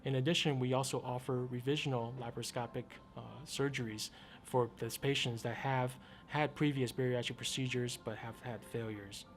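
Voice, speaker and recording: A man, a surgeon, calmly explaining surgical options in an informational hospital spot, with occasional fillers. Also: mid-range voice. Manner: measured, explanatory, with some fillers.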